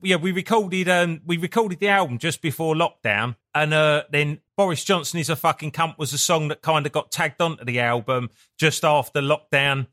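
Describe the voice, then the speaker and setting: Bright-voiced Essex man chatting. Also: a little high, normal speed, few pauses. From Essex, England. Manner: sweary, colloquial, rambling. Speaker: guest, punk band singer. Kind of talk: casual interview chat.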